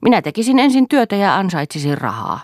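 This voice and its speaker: A woman's voice: medium pitch, sing-song, dry recording, studio quality, pitched above the performer's own voice, lightly acted. A woman reading an audiobook, voicing an eager little boy who dreams of working and earning money.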